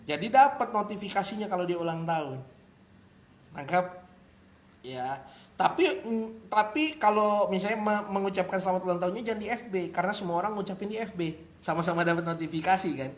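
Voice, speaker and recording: A man's voice: sits high, brisk, echoey room. A man giving a casual sales coaching talk, who acts out customer calls and keeps checking that listeners follow.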